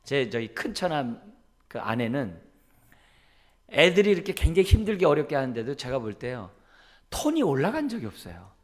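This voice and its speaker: A middle-aged man, the pastor, preaching a sermon in a church and acting out quoted parents and children. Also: medium pitch. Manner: animated, acts out quoted parents and son; calls himself quick-tempered.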